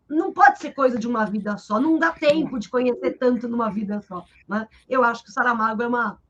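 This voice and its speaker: A Brazilian literature teacher with a fairly high voice discusses a book during a live interview. She's lively and explanatory, often ending sentences with a questioning "né?" in her Brazilian Portuguese accent. The audio sounds dull and lo-fi, like a webcam on a live stream.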